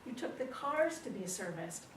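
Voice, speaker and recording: A woman's voice: mid-range voice, very animated, normal speed, recorded from a distance, slight background noise, close to an everyday voice. In an echoey room, some way from the mic, a woman storyteller plays a loving young fairy-tale wife. She is earnest and emotional, worn down by all she puts up with. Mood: sweetly pleading. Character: gentle, loving, long-suffering young wife pushed to exasperation.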